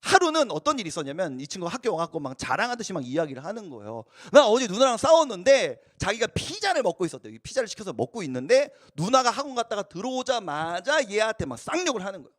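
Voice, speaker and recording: Man, youth pastor, high and very lively voice, dry close sound. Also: fast talker, few pauses, dry recording. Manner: animated storytelling, acts out quoted lines. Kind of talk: casual youth sermon.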